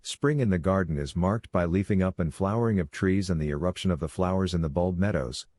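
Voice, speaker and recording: Male reader for exam passages, very low and softly dark, bone-dry sound. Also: a little fast, dry recording. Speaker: model reader for an English test lesson. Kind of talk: scripted read-aloud of exam practice text.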